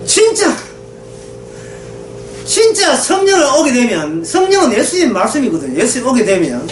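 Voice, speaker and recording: Faint music plays behind a woman whose slightly high, sing-song voice moves at a moderate pace as she preaches. She speaks emphatically, asks one rhetorical question after another, and keeps nudging listeners to agree, all captured from afar in an echoey room with faint ambience.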